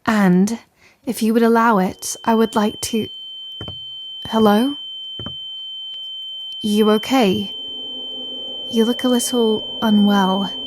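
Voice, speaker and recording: A woman's voice: a little high, fairly even intonation, slow pace, long pauses, noisy background. A woman playing a capable, caring scholarly wizard in an ASMR fantasy roleplay, speaking to the listener in an articulate, bookish, reassuring way. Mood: thoughtful, measured, then concerned, urgent. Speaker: audio roleplay performer.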